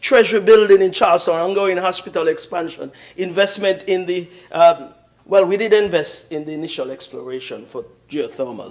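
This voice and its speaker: This man speaks with a Kittitian accent at a high pitch. His pace is moderate. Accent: Kittitian-Nevisian Caribbean English. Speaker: politician. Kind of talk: parliamentary debate speech. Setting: parliament chamber.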